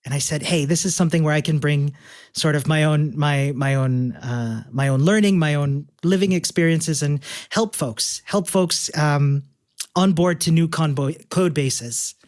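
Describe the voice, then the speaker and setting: A man's voice: a little high, a little slow. A man from Chile, a guest on a podcast, chatting in an upbeat way and laughing often. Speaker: guest, developer relations engineer. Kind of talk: casual interview chat.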